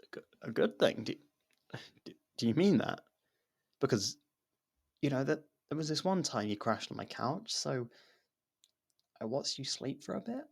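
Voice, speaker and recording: A man's voice: mid-range voice, sing-song, normal speed, vocal fry, pauses often, husky, exaggerated voice. A man acting a nervous, awkward, secretly obsessive young lover in an intimate ASMR roleplay, stammering and backtracking as he talks. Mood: flustered, defensive. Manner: stammering, hesitant, self-conscious, backtracking. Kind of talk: ASMR roleplay, intimate one-sided dialogue.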